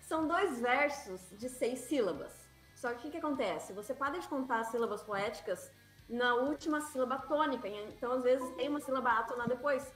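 A woman's voice: high voice, brisk, faint music behind. Woman writer in an echoey room. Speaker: guest writer. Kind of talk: casual panel chat on a live stream.

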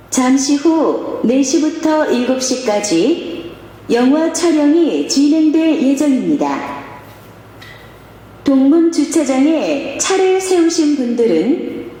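A woman voicing a slow, formal announcer over a PA system. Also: high voice, sing-song, mellow, heavily acted. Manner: slow, polite, measured delivery. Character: calm female park announcer. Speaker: park announcer. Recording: echoey reverberant hall sound.

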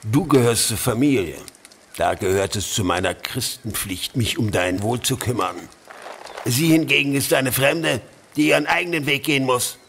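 A man's voice: medium pitch, moderate pace, vocal fry, a bit bright, a little hiss or hum. A man playing a stern, pompous Victorian uncle. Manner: pompous, commanding, strict. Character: stern, cold-hearted, pious Victorian uncle and guardian. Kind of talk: German audio drama acting.

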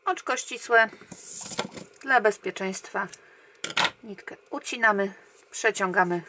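A woman talks slowly and patiently through a crochet tutorial, counting each stitch under her breath. Her voice sits at a middle pitch, and she lets many counts fade down to near a murmur. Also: slight background noise. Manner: calm, counting stitches aloud, often trailing off quietly. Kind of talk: step-by-step crochet instruction.

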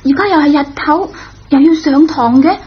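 A woman's voice: high-pitched, moderate pace, natural voice. An actress playing an impulsive, remorseful, good-hearted schoolgirl in a radio drama, earnest and pleading. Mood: defensive. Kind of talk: Cantonese radio drama acting. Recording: dull, lo-fi old radio recording.

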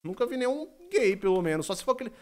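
A man's voice: high-pitched, big pitch swings, fast. A young man from Brazil with a Brazilian Portuguese accent, chatting playfully on a live stream while gaming and reading his chat aloud. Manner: playful, joking, reads chat aloud, rambling.

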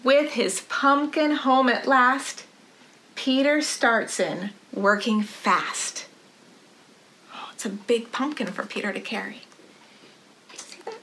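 High, bright-voiced woman leading children's storytime. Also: slight background noise. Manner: animated, deliberate sing-song rhythmic delivery for young children. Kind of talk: children's storytime read-aloud. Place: living room, indoors.

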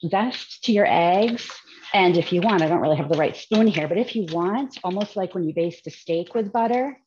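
Low-voiced woman demonstrating a recipe. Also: lo-fi sound, slight background noise. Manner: relaxed, chatty, explains as she cooks. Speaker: cookbook author demonstrating a recipe. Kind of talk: casual cooking demonstration. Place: home kitchen at the stove.

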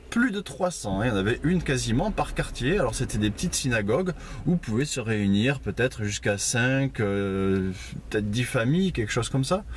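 A man's voice: on the low side, a little hiss or hum. A man giving an informal Bible teaching at a house church, conversational, with many fillers and asides. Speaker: preacher.

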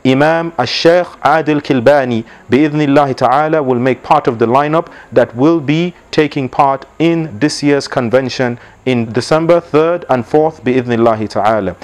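A man in his thirties, leader of an organization, giving a measured, formal scripted address in a library on a lapel mic. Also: mid-range voice. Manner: measured, formal, opens with Arabic blessings. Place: indoor library with bookshelves.

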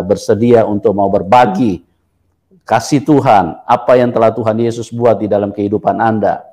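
A man's voice: lowish voice, mellow. A middle-aged man, hosting a testimony interview as a pastor in an exhortatory way, repeating phrases for emphasis. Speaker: host, pastor. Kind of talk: testimony interview, preacherly talk. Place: indoor room, seated, on a video call.

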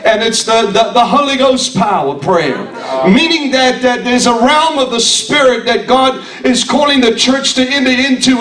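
High-pitched male preacher in an echoey church. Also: fairly bright tone. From grew up in Africa. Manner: exclamatory, punctuated with hallelujahs and amens. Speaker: guest preacher. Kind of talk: charismatic church sermon. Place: small church sanctuary, indoors. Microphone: handheld microphone, heard through the room. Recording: echoey church hall, distant, audience noise.

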